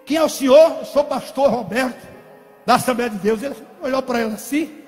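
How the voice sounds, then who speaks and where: High-pitched preaching man, Brazilian accent. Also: a little fast. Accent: Brazilian Portuguese. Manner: repetitive, rising to shouts, sing-song preaching cadence. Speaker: pastor. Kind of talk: preaching testimony sermon. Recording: long hall reverb with faint music.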